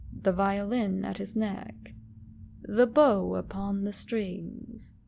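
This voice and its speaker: A woman narrating classic horror as a storyteller, in a theatrical, deliberate scripted style. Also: mid-range voice, gravelly, warm tone, slight background noise. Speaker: storyteller, channel host.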